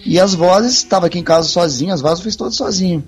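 A man's voice: sits high, quick pace, soft background music. A man with a Mineiro Brazilian accent, swearing and laughing as he tells stories in a casual podcast chat. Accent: Mineiro Brazilian Portuguese. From Minas Gerais, Brazil. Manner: laughing, profane storyteller. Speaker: podcast guest and video dubber.

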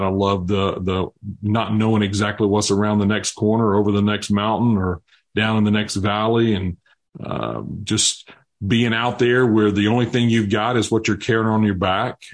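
Earnest fifties man telling stories. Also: fairly low pitch. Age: 50s. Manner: earnest, with frequent restarts and repeated words. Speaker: guest. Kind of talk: interview storytelling.

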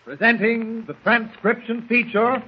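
A male announcer from an old 1940s radio transcription, delivering the opening in a booming, dramatic manner. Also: unhurried, muffled recording.

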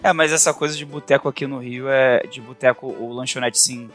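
Bright, forceful-sounding man. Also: medium pitch, fairly even intonation, a little fast, soft background music. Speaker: podcast co-host. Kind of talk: casual chat. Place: lives in Rio de Janeiro.

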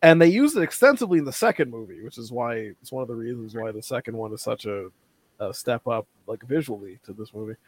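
A man co-hosting a casual film discussion, opinionated and energetic in his arguments. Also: medium pitch, fast, slight background noise. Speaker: podcast co-host.

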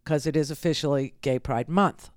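Middle-aged woman talk host: smooth clear voice, dry close mic, blunt and sardonic. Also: low voice, moderate pace, a little mellow, no room sound. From United States. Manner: sardonic, blunt, repeats phrases for emphasis. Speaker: radio talk show host. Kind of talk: political talk radio monologue.

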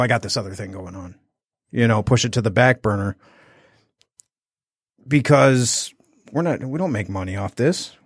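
A man's voice: mid-range voice, no echo, studio quality. A man co-hosting a casual podcast, telling a candid personal story and acting out the quotes. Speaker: podcast co-host.

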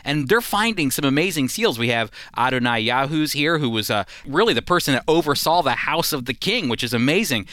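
A man's voice: medium pitch, expressive, fairly quick, hardly any pauses, pushed and bright, no room sound. A man co-hosting a Christian radio program, earnest and emphatic, teaching with fillers and restarts. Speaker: radio Bible teacher, co-host.

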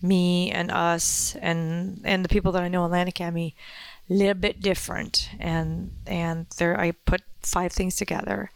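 A woman's voice: lowish voice, flat delivery, moderate pace, gravelly, smooth, no room sound. Chatty woman podcast co-host, teasing. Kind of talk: casual chat.

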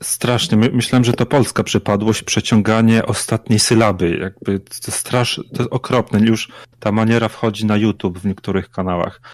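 A man co-hosts an online radio chat and talks bluntly, grumbling about what annoys him. His voice is on the low side, recorded dry and close. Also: fairly even intonation, moderate pace, dry recording. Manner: blunt, irritated complaints. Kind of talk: casual chat. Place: lives in the UK.

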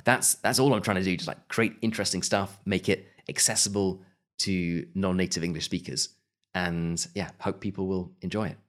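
A man answering as a podcast guest, speaking in a measured, thoughtful way with frequent hedges and restarts. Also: low voice, fairly even intonation. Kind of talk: remote podcast interview.

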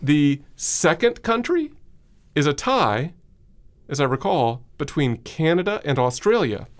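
A man's voice: fairly high pitch, big pitch swings, measured pace. A man with a Southern American accent co-hosting a podcast in a jokey, rambling way, laughing often. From Southern United States. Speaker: podcast co-host. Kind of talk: casual chat.

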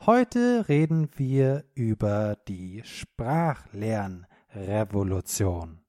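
A native German man hosting a podcast for learners, speaking clearly in an upbeat, encouraging way. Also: on the low side, big pitch swings, drawn-out words, dark tone, no room sound, clean studio sound. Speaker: podcast host and language teacher.

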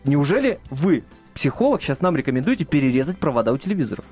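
Male radio host, quick probing questions, somewhat high voice. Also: sing-song, darkish tone, breathy edge, soft background music. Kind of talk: radio talk show moderation. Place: radio studio.

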